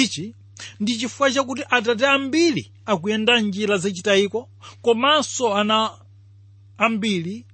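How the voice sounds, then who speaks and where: A Malawian man delivers a scripted radio Bible teaching in a strikingly high voice. The tone is bright and forceful yet husky, and the sound is dry and close. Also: dry recording.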